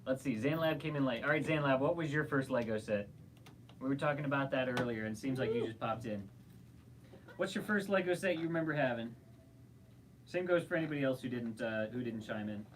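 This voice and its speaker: A man's voice: mid-range voice, animated, a little fast, a little hiss or hum. A man co-hosting a casual livestream, chatting and reading viewer comments aloud.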